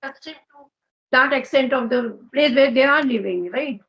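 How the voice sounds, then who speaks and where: High-voiced Indian woman asking questions. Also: a bit bright, slightly rough, poor audio. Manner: halting questions with fillers. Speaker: interviewer. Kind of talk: casual conversation practice.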